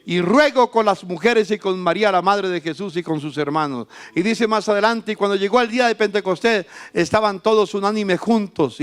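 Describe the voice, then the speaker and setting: A man preaching a sermon with passion, moving between quiet, low passages and loud, emphatic bursts. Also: clean tone. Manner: impassioned preaching, swinging from soft to loud. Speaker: pastor.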